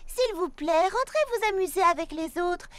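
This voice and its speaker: A woman's voice: extremely high pitch, lively intonation, moderate pace, fairly bright tone, slight background noise. A woman voicing a sweet, caring little girl in a French children's cartoon, with music behind. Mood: worried. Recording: background music under the voice.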